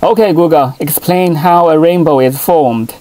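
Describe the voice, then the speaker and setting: Halting man with a mellow voice. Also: on the high side, no room sound, poor audio. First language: Chinese. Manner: halting, many fillers and restarts. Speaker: tech channel host. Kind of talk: hands-on phone tutorial. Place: desk at home, in front of a computer.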